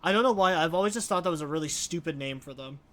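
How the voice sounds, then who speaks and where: A man's voice: a little high, fast talker, sharp tone, a little hiss or hum. A man streaming a let's play with casual, informal, opinionated commentary.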